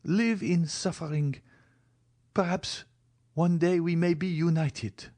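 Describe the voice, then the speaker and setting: A man's voice: fairly high pitch, steady tone, slow, darkish tone, voice pushed up. A man voicing a devoted, anguished young woman who pleads tearfully in an audiobook reading. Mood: impassioned.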